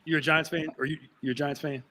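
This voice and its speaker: Host, male, high lively voice, fast and bright, bit husky, argumentative chat. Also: a loud crowd. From South Jersey. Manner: animated, quick, argumentative. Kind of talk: casual panel chat.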